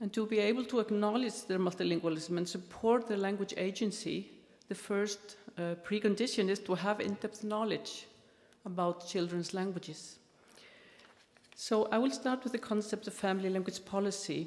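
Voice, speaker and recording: A woman with an Icelandic accent speaks at medium pitch with fairly even intonation. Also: moderate pace. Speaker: researcher, keynote speaker. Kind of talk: conference keynote lecture. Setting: conference stage with audience. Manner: hesitant with fillers.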